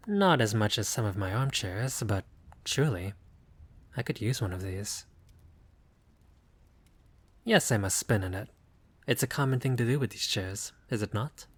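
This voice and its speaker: Casting: male actor as a genteel, friendly vampire for intimate roleplay audio, slightly low voice, formal and a touch bashful. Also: slight background noise, close to an everyday voice. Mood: delighted, courteous. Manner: formal, polite, old-fashioned, hesitant phrasing.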